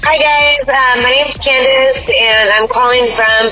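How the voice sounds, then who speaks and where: A woman's voice: high-pitched, fairly even intonation, measured pace, pushed and bright, soft background music. A woman leaving a friendly, rambling voicemail for a radio show. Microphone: phone voicemail.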